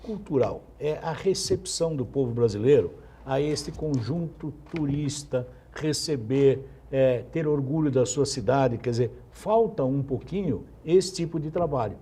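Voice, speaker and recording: A man, a panelist on a TV talk show, speaking in a measured, reflective way. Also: medium pitch, expressive, warm tone, husky. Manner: measured, reflective, interjects politely.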